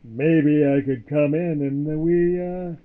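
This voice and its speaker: Tinny, bashful big lug Joe. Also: male voice, fairly high pitch, fairly even intonation. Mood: hopeful, shy. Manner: halting, bashful, naive. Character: Joe, big, sweet, naive dim-witted man. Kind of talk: comedy audio drama acting. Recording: tinny muffled voice, as through wall.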